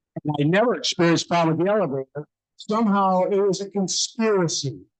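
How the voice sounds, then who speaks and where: A man speaks loudly and very fast in a high voice with ordinary pitch variation, the sound dry and close with no echo. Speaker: city council member. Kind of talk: council meeting remarks.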